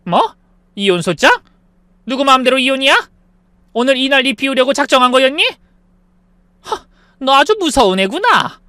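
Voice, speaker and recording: A man voicing a shrill, outraged older mother-in-law in a narrated drama story, shrieking and accusing. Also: wildly swooping pitch, slow, hardly any pauses, pushed and bright, dry recording, full character voice. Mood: indignant.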